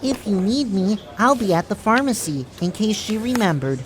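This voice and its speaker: A woman's voice: mid-range voice, sing-song, moderate pace, lightly acted. A woman playing a breezy, chatty hospital staffer with a secret in an amateur audio drama. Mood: friendly. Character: breezy hospital colleague with a secret drug habit. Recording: noisy home recording.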